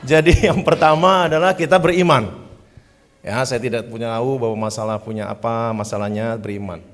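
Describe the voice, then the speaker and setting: A man's voice: mid-range voice, fairly quick. A man preaching, telling funny stories between points. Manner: lively storyteller, acts out voices. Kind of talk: sermon with comic storytelling. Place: church. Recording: church hall reverb.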